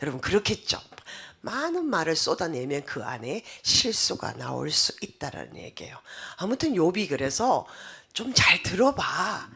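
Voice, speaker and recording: A woman pastor giving a sermon, explaining scripture in an animated way and asking the congregation rhetorical questions. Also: low voice, normal speed, gravelly, husky.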